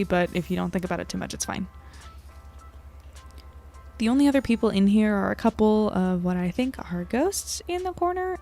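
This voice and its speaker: Woman acting as anxious twenties reporter gal, audio drama diary, dry and rambly, lots of vocal fry, music underneath. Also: mid-range voice, darkish tone, close to an everyday voice. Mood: wry, rambling. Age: 20s. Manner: wry, rambling, self-deprecating. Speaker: narrator and lead character. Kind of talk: audio drama diary monologue, casual and conversational.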